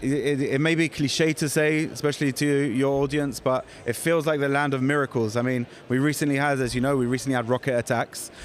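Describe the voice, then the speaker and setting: A man in a British accent speaks at a fairly quick pace. His fairly high voice has monotone, flat intonation. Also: very even loudness. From England, near London. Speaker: company representative. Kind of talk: interview.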